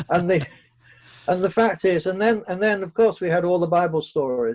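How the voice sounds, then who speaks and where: A man with a British accent speaks at a high pitch with ordinary pitch variation, his sound dry and close with no echo. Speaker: guest speaker. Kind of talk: interview.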